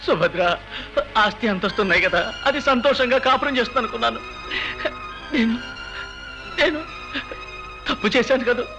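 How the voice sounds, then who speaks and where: An actor playing a remorseful older father who blames himself in a dubbed film, with a husky voice. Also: extremely high pitch, moderate pace, pauses often, lo-fi sound, over music. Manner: grieving, remorseful. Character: remorseful older father, broken and self-blaming.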